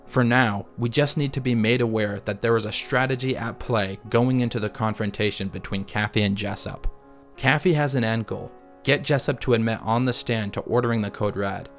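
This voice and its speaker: A man with a fairly low voice narrates a scripted analysis over music. He speaks in a measured, articulate way, explaining each point like an essayist. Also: vocal fry. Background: background music.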